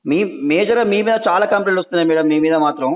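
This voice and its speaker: A man's voice: high voice, rapid-fire. A man with a Telangana Telugu accent, a journalist questioning someone on a phone call, insistent and admonishing and often cutting in. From Telangana, India. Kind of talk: confrontational phone interview. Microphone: telephone. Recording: tinny narrowband phone call.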